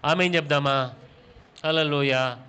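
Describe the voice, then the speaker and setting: A pastor preaching a sermon in a high, bright voice, firing questions at the congregation. He repeats words for emphasis and slips English phrases into his talk. His tone is forceful and tense. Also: a little slow, smooth.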